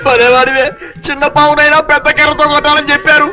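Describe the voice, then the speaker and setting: A man's voice: extremely high pitch, flat delivery, fast talker, music in the background. An actor playing an anxious, pleading father-in-law in a film comedy scene. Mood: fussing. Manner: pleading, fussing, wordplay. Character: fussy anxious father-in-law, middle-aged man.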